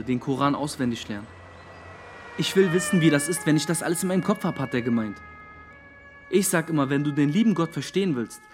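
A man's voice: fairly high pitch, natural voice. An actor playing a defensive young Muslim man, speaking slangy testimony in a naturalistic radio drama. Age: young adult. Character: defensive young Muslim friend of a missing teenager.

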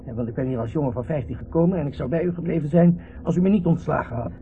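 An actor playing an irritable, gloomy company director and husband in a Dutch radio play, curt and sardonic. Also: male voice, a little high, rapid-fire, lightly acted. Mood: recounting, indignant. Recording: muffled, noisy old radio play recording.

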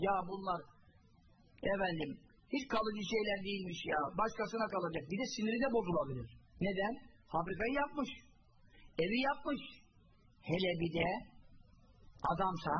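A man's voice: sits high, dull audio, noisy background. A man preaching to a congregation, quoting Arabic phrases and translating each one, who asks rhetorical questions and answers them himself. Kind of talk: religious talk to a congregation.

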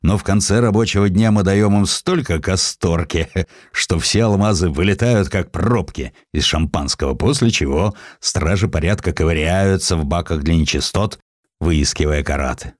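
A man voicing a gruff, arrogant middle-aged British magnate in a storybook reading, gloomy, blunt and grandiose. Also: low-pitched, normal speed, no room sound, studio quality.

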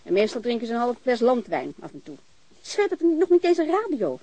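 An actress playing a blunt, warm-hearted, talkative landlady in a naturalistic radio drama, informal and frank. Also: fairly high pitch, wildly swooping pitch, fairly quick, low-quality recording. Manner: informal, chatty, frank, mild swearing.

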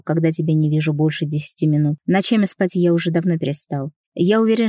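A woman's voice: on the low side, no room sound, clean studio sound, natural voice. A woman reading the lines of a young man, a stern but tender and jealous boss, in an audiobook. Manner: stern at first, then softly affectionate.

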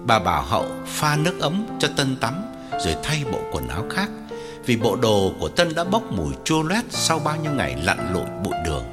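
A man's voice: mid-range voice, wildly swooping pitch, fairly quick. A man narrating a story with dramatic, widely varied delivery. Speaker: audiobook narrator. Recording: long hall reverb, faint music.

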